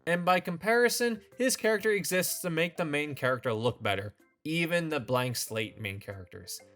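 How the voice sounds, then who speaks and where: Man, video essay host, scripted commentary, opinionated, wry, soft music behind. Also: a little high, animated, normal speed.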